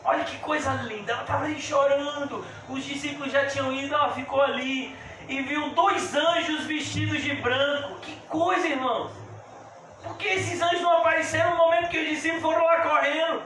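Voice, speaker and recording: A male pastor preaching a sermon, moving between soft, intimate asides and loud, fervent exclamations. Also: extremely high pitch, fairly even intonation, a little fast. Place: church. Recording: echoey church hall, voice from a distance, faint hiss.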